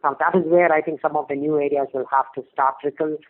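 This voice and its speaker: A man's voice: on the high side, fairly even intonation, fast talker. A male company executive answering investors on an earnings call, explaining hesitantly and repeating words over a phone line. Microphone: phone conference call. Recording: narrow, tinny conference phone line.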